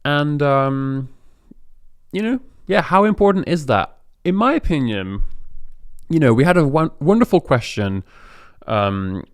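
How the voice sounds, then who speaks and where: A man's voice: a little high, expressive, measured pace, long pauses, clear, resonant tone, dry recording, studio quality. A young adult man hosting a podcast, talking in a reflective, chatty way, with plenty of fillers and restarts. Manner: reflective, chatty, lots of fillers and self-corrections. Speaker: podcast host. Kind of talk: relaxed podcast monologue.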